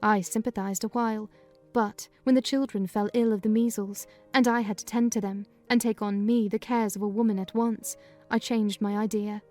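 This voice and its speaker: A woman giving a dramatized first-person reading of a classic novel in measured, clear storytelling. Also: mid-range voice, fairly even intonation, dark tone, faint music behind. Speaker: reader of a novel.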